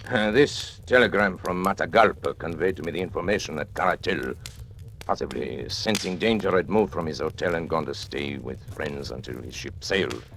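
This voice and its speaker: Scheming criminal mastermind for a vintage radio drama, very deep gravelly voice, grand and measured. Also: male voice, a bit bright, a little hiss or hum, exaggerated voice. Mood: coldly boastful. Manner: grandiose, measured villainous narration. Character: cold scheming male master criminal narrator. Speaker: first-person narrator. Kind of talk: 1940s radio acting.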